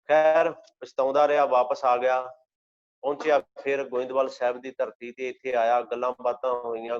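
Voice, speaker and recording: A man leads an online scripture class at a middle pitch. He moves between storytelling and slow, careful recitation of verses. The audio is dull and lo-fi, as from a video call. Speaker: Gurbani teacher.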